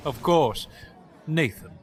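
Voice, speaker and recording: A fairly high, animated male voice plays a polite, genial husband in an audio drama. He is mild and courteous, with music behind. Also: takes it slowly, some chatter behind. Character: polite, mild detective's husband, paint warehouse man. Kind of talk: full-cast audio drama acting.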